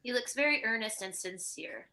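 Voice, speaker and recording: Bright-voiced woman reading stage directions. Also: fairly high pitch, expressive, normal speed. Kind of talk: scripted screenplay narration.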